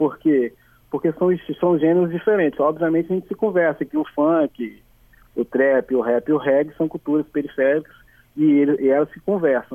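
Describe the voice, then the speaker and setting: The man has a normal speaking voice, pitched fairly high for a man. He keeps a moderate pace with ordinary pitch variation. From Vitória, Espírito Santo, Brazil. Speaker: musician and beatmaker. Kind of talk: radio interview.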